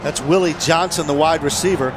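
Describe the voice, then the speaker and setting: A man's voice: a little high, fairly quick, music in the background. A man doing live play-by-play commentary of an American football game from a broadcast booth. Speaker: play-by-play announcer. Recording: broadcast booth with crowd noise behind.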